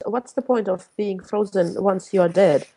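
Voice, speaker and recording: A woman's voice: medium pitch, moderate pace, dark tone, husky. A woman talks casually with friends in a teasing, argumentative way. She presses her points with repeated questions and often breaks into laughter. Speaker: participant in a group chat. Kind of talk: casual chat.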